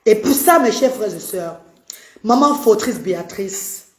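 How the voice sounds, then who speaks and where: A woman's voice: mid-range voice, animated, unhurried, reverberant. A woman, an autism advocate talking on a live stream, effusively greeting viewers and pleading for shares.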